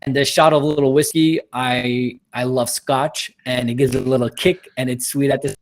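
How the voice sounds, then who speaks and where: A man's voice: mid-range voice, steady tone, fairly quick, low-quality recording. A man from Canada with an Armenian heritage, a podcast guest talking enthusiastically, repeating words and tagging lines with "right?". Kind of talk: casual interview talk.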